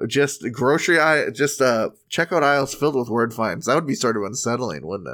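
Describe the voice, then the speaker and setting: Vocal fry runs through this man's medium-pitched voice, which has a bright, sharp tone, an American accent, ordinary pitch variation and a fairly quick pace. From US Upper Midwest. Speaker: comedy podcast host. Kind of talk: casual comedic chat.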